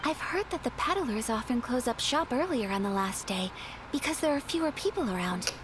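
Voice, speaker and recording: A woman voicing a gentle, polite young noblewoman in a video game, soft-spoken and formal. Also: on the high side, animated, brisk, slight background noise, lightly acted. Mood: calm. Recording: game audio with background music.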